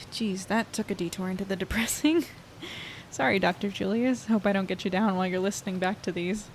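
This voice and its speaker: A woman's voice: mid-range voice, a little mellow, slight background noise, natural voice. A woman in her twenties playing an earnest young reporter in an audio drama, conversational and hesitant as she thinks aloud. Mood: musing, wry. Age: 20s. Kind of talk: audio drama, naturalistic monologue and dialogue.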